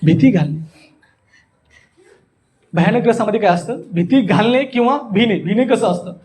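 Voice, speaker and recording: This is a man with a strikingly high-pitched voice and a Marathi accent. He teaches like a stage performer, putting questions to his listeners and acting out what he explains. The delivery is that of an animated workshop instructor. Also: moderate pace. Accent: Marathi, Maharashtra. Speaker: voice and public speaking workshop instructor. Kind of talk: animated classroom teaching with acted demonstrations.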